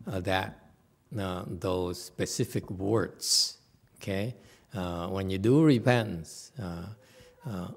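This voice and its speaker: A man teaching as a Buddhist master, answering questions in a halting way with long hesitations and repeated words. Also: fairly low pitch, creaky.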